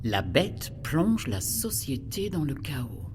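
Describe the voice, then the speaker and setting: A curious, caring human listener with a very low voice and lively intonation. She speaks informally and inquisitively in a far-future audio drama, over music. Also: slow pace, heavily acted. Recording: music bed behind the voice.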